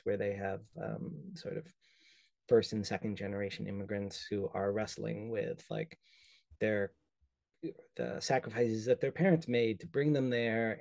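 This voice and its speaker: A young man from El Salvador, a podcast guest speaking thoughtfully in an interview, often pausing and restarting as he searches for words. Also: fairly low pitch, a little mellow, no echo. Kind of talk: reflective conversational interview.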